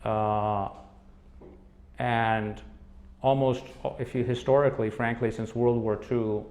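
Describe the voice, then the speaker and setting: A man hosting an interview, summing up his guest's points in a measured, steady way. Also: medium pitch. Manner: measured, sums up the guest's points, soft affirmations. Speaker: interviewer host. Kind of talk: interview questions and summaries.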